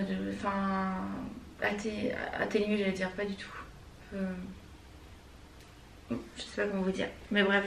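A woman's voice: mid-range voice, vocal fry, fairly bright tone. A woman talking casually to her camera in a candid, rambling way, full of fillers and self-corrections. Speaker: family vlogger. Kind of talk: casual vlog chat to camera. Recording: noisy background ambience.

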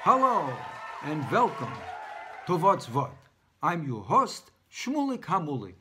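A man's voice: on the high side, wildly swooping pitch, slow pace, very noisy. A middle-aged man presenting a parody TV show as host and reporter. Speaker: comedy performer playing show host and reporter.

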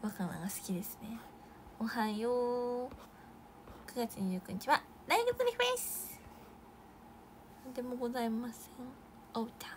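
A young Japanese idol woman chatting casually on a live stream, reading viewer comments with bursts of excitement and soft asides. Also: a little high, moderate pace, long pauses, slight background noise.

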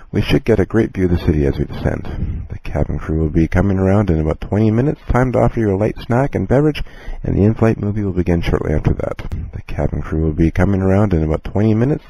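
Man acting as airline captain, calm, courteous, scripted announcement, husky, dry close sound. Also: low voice, dry recording, heavily acted, low-quality recording. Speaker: airline captain in a listening lesson.

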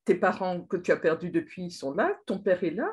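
A woman in her sixties interviewing a guest on a video call, asking soft, prompting questions through an earbud headset. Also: lowish voice, animated, moderate pace, husky.

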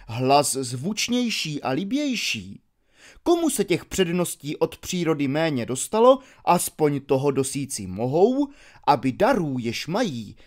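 A man voicing a genial, seasoned Roman orator in an audiobook reading of a classical dialogue, with deliberate, instructive delivery. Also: on the high side. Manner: deliberate, instructive delivery of long archaic sentences.

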